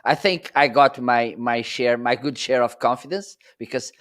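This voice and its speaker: A middle-aged man with a Portuguese accent, a native Portuguese speaker, chatting casually as a guest on a live stream over a video call, laughing often and phrasing haltingly. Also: mid-range voice, a bit bright.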